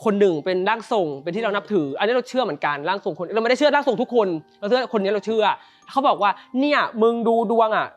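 Quick-talking woman telling a supernatural story. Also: mid-range voice. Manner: blunt, slangy, acting out quotes. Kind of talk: casual spoken storytelling. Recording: background music behind the voice.

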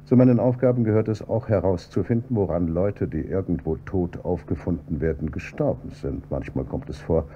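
An actor playing a calm, probing police inspector who heads homicide in a radio drama, with a dry, measured delivery. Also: male voice, sits low, close to an everyday voice. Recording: dull, slightly noisy audio with hum.

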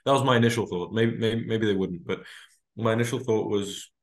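A teenage man from Greece on a video call from a small room, his somewhat low voice carrying a roomy echo. He talks in lively bursts, restarting phrases and breaking into laughter. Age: teens. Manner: animated, quick, full of restarts and laughter. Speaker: guest singer. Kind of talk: casual video-call interview.

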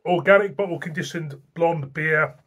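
Chatty middle-aged man, higher voice. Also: moderate pace, a bit bright, husky. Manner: chatty, rambling, plain-spoken. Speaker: beer reviewer. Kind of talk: casual beer-tasting review to camera. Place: small indoor room at home.

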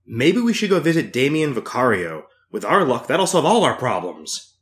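A man's voice: very animated, normal speed, natural voice. An actor playing a childlike, simple-minded young man, goofy and eager. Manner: goofy and eager, big leaps in pitch.

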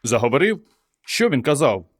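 A man's voice: medium pitch, sing-song, normal speed. A man voicing a blunt, sarcastic lab technician. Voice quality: sarcastic, gruff.

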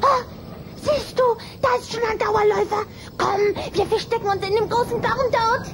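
A woman's voice: very high voice, normal speed, background noise. A woman playing a chatty, playful, gossipy little vampire girl with a girlish voice in a children's radio play. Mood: excited, mischievous.

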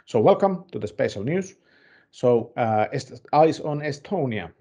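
A middle-aged man presenting news semi-casually, in a halting, measured way. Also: mid-range voice, expressive, dark tone, husky, muffled recording.

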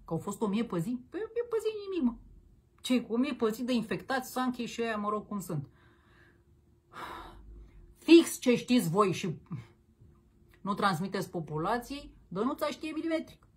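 Here a female political commentary host rants with crude, combative mockery, peppering it with slang address. She speaks on the high side with big pitch swings, frequent pauses and a breathy edge.

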